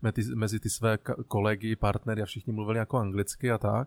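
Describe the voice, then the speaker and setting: A man speaks at a fairly quick pace in a fairly low pitch with a flat, monotone delivery, recorded very cleanly against a silent background. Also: dry, close sound with no echo. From Czech Republic, Vietnamese family. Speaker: podcast co-host, digital entrepreneur. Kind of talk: casual chat. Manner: halting, many fillers.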